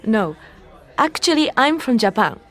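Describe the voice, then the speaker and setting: A woman plays a polite young woman answering questions in a scripted learner dialogue. Her voice is high and clear. She speaks in a neat, courteous way. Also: big pitch swings, a little slow, a bit bright, some chatter behind, heavily acted.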